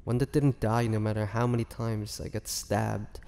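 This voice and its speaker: A man playing a weary, bitter young half-vampire prisoner in a dramatic audio roleplay, speaking haltingly and sorrowfully. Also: fairly low pitch, flat delivery, creaky, mellow. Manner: slow, halting, sorrowful delivery with sighs and pauses. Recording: long hall reverb, faint noise.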